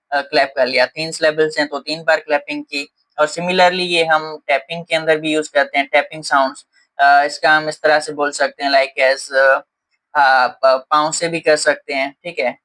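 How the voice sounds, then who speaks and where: A man's voice: fairly high pitch, fairly bright tone. Man lecturing in with frequent fillers. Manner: Hindi mixed with English terms, frequent "uh" fillers and "okay" check-ins. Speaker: teacher. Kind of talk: lecture explaining teaching strategies.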